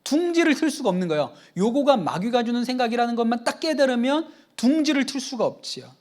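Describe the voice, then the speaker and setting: Male pastor, sermon at an evening church service. Lively, wide-ranging pitch and conversational delivery. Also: fast. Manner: conversational preaching, acts out quoted voices.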